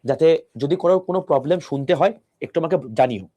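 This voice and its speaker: A male physics teacher speaks quietly and close to the mic, his voice mellow and a little higher than most men's. He walks students through each idea with patient questions. The delivery is soft and steady, like an online class lecture. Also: rapid-fire. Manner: talks softly to a close mic, explaining step by step with rhetorical questions.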